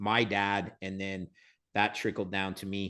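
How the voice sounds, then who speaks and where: Against a quiet background, a man with a Canadian accent speaks at a moderate pace in a fairly low voice. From Montreal, Quebec, Canada (English-speaking). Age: 50s. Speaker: finance veteran and bitcoin advocate. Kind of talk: podcast interview. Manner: hesitant, frequent fillers and repetitions.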